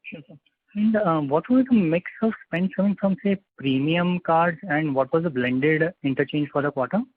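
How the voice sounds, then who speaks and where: A man's voice: a little high, moderate pace. A man with an Indian accent politely asking questions as an analyst, hesitant and deferential. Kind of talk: polite question on a conference call. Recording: tinny phone line.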